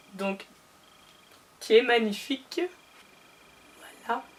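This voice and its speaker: The speaker is a woman with a fairly high voice. Her pitch variation is ordinary. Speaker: holiday camp counsellor. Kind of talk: casual product review to camera.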